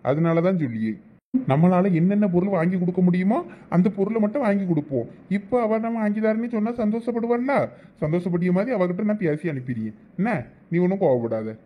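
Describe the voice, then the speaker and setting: A man's voice: sits high, animated, fast, highs cut off. A man voicing a patient, placating husband and big brother in a cartoon, coaxing in a Thoothukudi Tamil accent. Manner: coaxing, reasoning. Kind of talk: dialect cartoon family comedy dialogue.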